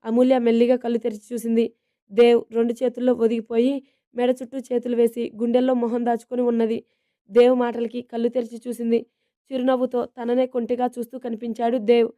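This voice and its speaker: A woman narrating a romantic family story in a steady, even reading manner. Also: fairly high pitch, quick pace, highs cut off.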